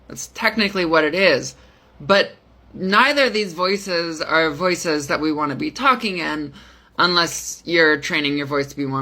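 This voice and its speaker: Woman, voice coach, casual teaching, slow delivery, demonstrates falsetto and chest voice. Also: bright, forceful tone. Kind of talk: explaining vocal technique simply with sung examples.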